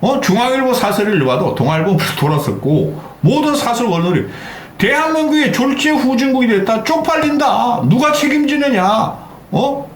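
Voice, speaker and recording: A man's voice: very high-pitched, big pitch swings, moderate pace. An older man hosting a political commentary channel, ranting angrily, swearing and constantly throwing in "eh?" between sentences. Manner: heated, swearing, repeatedly interjecting "eh?". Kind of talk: angry political rant. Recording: echoey room with faint background noise.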